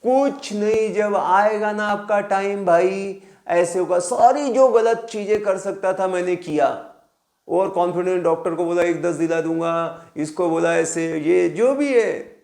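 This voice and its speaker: Guy in his 30s telling a story, gravelly bit higher voice, echoey room. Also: measured pace. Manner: animated, acts out both sides of phone calls. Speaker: real estate coach. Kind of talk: storytelling monologue.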